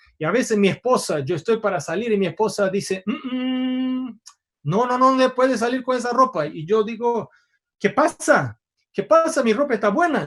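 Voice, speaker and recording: A man speaks with an extremely high pitch. He goes at a fairly slow pace over a quiet background. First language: Portuguese (speaking Spanish). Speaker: pastor. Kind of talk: sermon.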